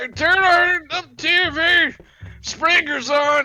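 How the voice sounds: This put-on character voice sits at an extremely high pitch. It moves at a very slow pace.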